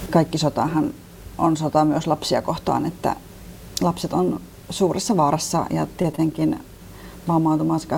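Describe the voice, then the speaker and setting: There is noticeable background noise behind this recording. Over it, a woman talks fairly slowly. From Finland. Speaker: aid worker. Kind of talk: interview.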